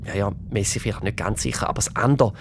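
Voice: deep voice, quick pace, creaky, slight background noise. A quiz host with a Swiss German accent, upbeat and encouraging on a children's radio quiz.

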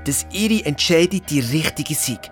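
A woman's voice: sits low, expressive, measured pace. A woman voicing a troubled young boy in an audio drama, narrating earnestly in a Swiss German accent. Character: boy, about twelve, torn and secretive. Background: background music.

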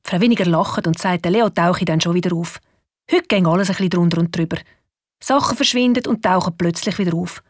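A woman with a Swiss German accent narrating a children's radio play in a lively, expressive way. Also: fairly low pitch, fairly quick, no room sound, clean studio sound. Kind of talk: storytelling narration.

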